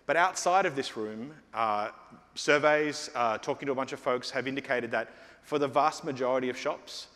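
A man's voice: mid-range voice, fairly bright tone. A middle-aged man giving a conference keynote on stage, talking conversationally with frequent fillers and restarts. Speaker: keynote speaker. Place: large conference hall stage. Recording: long hall reverb.

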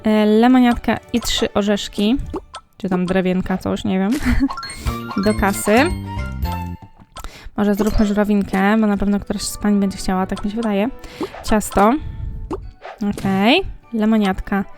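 A gaming vlogger narrates her play slowly in a mid-range, level, darkish voice. She chats casually and addresses the game characters directly, with faint music from the game behind her.

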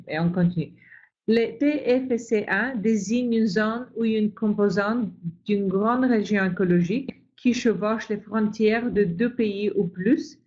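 A woman's voice: mid-range voice, darkish tone. A woman who is not a native speaker presents a webinar, reading carefully with occasional restarts. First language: not French. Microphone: video call. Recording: lo-fi webinar audio.

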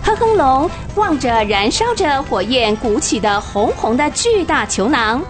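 A woman narrating a children's radio drama with expressive, vivid storytelling. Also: high-pitched, unhurried, over music.

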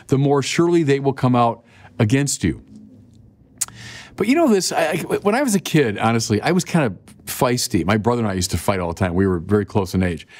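A bishop in his sixties preaches in a conversational, animated style, often appealing directly to his listeners. His voice sits at medium pitch, captured by a lapel mic in a dim studio.

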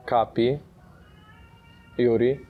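A man's voice: medium pitch, fairly even intonation, drawn-out words, narrow, tinny audio, soft background music. A young man, a footballer, answering in a laid-back, joking way and chiming in often. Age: young adult. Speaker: footballer guest. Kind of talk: casual interview answers. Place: lounge in a large building.

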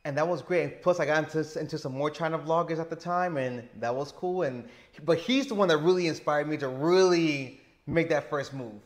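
A man in his thirties with a stutter, talking slowly and deliberately as an interview guest on a lapel mic indoors. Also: a little high. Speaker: interview guest, teacher living abroad. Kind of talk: casual interview. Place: indoor lounge with sofa.

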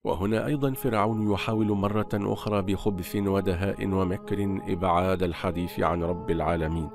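A man narrating a religious story in a scripted, measured, solemn way. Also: low voice, fairly even intonation. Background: soft background music.

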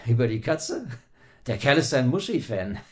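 Actor as cocky male agent, swooping pitch. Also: very animated, moderate pace, lightly acted. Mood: cocky, teasing. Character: cocky, crude, flirtatious male covert agent. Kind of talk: audio drama acting. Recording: loud background noise and clicks.

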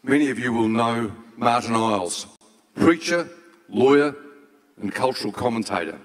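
A man in his sixties addresses an auditorium through a handheld microphone, with long hall reverb. His delivery is formal and measured, with solemn, deliberate phrasing and a medium pitch. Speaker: event host. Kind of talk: formal stage introduction and prayer. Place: large auditorium stage.

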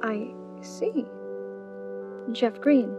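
Woman as a high-voiced, concerned lady. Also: drawn-out words. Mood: concerned, probing. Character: concerned, inquisitive female friend of the family. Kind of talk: 1930s radio drama acting. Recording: distant, muffled, music behind.

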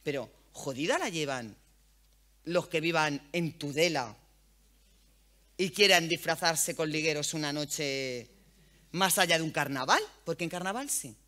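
A woman speaks to a hall audience in a candid, slangy way. Her tone is bright and her pitch leaps about with energy. She talks like a seasoned radio host. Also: a little slow. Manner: frank, colloquial and animated, swears freely. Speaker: journalist and radio host giving a talk. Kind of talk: lively public talk to an audience. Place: event hall.

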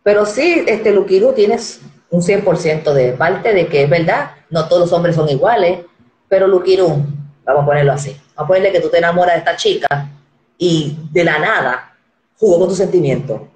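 A woman in her forties hosting a casual live-stream chat, animated and acting out the voices she quotes. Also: lowish voice, normal speed, roomy sound, low-quality recording. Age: 40s. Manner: animated, acts out quoted voices, repeats words.

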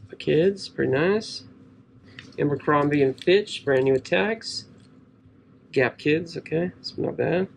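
A man in his thirties talks to himself and his viewers as he sorts through boxes, with a slightly higher voice than most men. His remarks come in loose, chatty bits. A faint hum of the room sits behind him. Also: takes it slowly, creaky, long pauses. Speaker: storage locker reseller. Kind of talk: casual unboxing commentary to camera. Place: cluttered storage room indoors.

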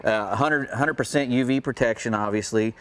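A middle-aged man with a halting, folksy way of talking, presenting products casually as co-host of a fishing show. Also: medium pitch. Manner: halting, folksy, repeats himself. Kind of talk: unscripted product showcase chat. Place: indoor TV studio set.

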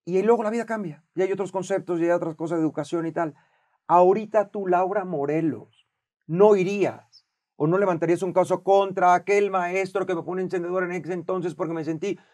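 Animated Mexican man, high voice. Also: fairly quick. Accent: Mexican Spanish. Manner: animated, acts out shouted quotes, swears freely. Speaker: podcast host. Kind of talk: casual conversation.

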